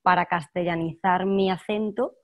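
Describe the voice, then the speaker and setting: A woman in her twenties with an Andalusian accent, chatting lively as an actress in an interview, laughing often. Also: lowish voice, normal speed, highs cut off. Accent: Andalusian Spanish. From Andalusia, Spain. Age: 20s. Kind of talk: casual interview chat.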